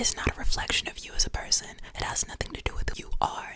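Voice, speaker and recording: A very fast whisper from a woman over noticeable background noise. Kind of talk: casual heartfelt talk to camera with life advice. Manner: whispered, soft.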